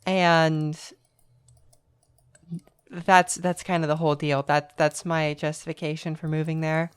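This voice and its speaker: Low-voiced woman chatting casually. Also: little pitch movement, a little slow, smooth. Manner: rambling and wry, with restarts. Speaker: podcast co-host. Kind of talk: casual chat.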